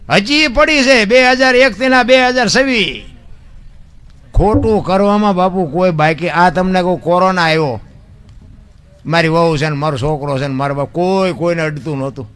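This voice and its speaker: High-pitched Gujarati folk storyteller, man. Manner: builds into loud rhythmic rhymed recitation. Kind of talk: Gujarati lok dayro storytelling. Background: music.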